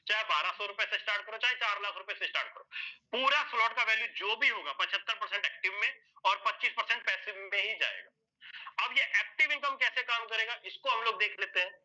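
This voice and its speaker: Man, whiteboard explainer, sharp high voice, repetitive step-by-step, rhetorical questions, muffled lo-fi sound. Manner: addresses listeners as sir and brother. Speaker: presenter explaining an earning plan. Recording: dull lo-fi recording.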